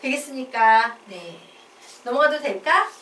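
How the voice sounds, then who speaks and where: A woman math teacher lecturing in a high, sing-song voice, asking her class questions and answering them herself. The sound is picked up from a distance in an echoey room, with clear background noise. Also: a little slow. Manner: animated, asks and answers her own questions.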